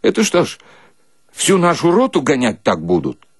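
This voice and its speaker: Man acting a folksy, animated indignant soldier. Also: a little high, moderate pace, breathy edge, no echo, clean studio sound, voice pushed up, heavily acted. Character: indignant, cunning illiterate soldier telling his tale. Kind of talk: radio monologue acting.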